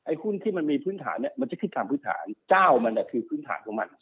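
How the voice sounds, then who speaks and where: A man working as a stock market analyst, explaining market cycles quickly and repeating himself, often checking that the listener follows. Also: a little high, very animated. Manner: fast, repetitive explaining, often checks understanding. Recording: narrow phone-like sound.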